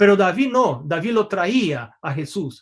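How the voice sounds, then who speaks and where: This man talks with a Portuguese accent at a high pitch. His pace is fairly slow. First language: Portuguese (speaking Spanish). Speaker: pastor. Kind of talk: sermon.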